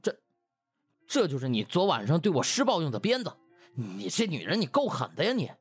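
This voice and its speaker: Wronged young doctor acted by a man, comic audiobook, animated and complaining, rough-edged, music underneath. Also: on the high side, fairly quick, heavily acted. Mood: accusing. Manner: indignant, complaining. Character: aggrieved, cheeky young male doctor protesting loudly.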